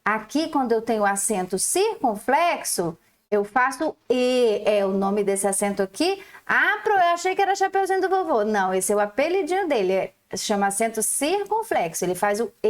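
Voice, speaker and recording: A woman's voice: medium pitch, lively intonation. A woman teacher, giving a recorded lesson to young children and stretching out each syllable as she explains. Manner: slow, drawn-out syllables, explaining. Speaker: primary school teacher.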